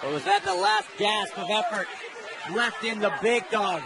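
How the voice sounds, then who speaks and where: A man's voice: high voice, big pitch swings, normal speed, gravelly. A man giving emphatic, opinionated live commentary on a wrestling match as an analyst. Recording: loud arena crowd and noise behind. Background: roaring arena crowd.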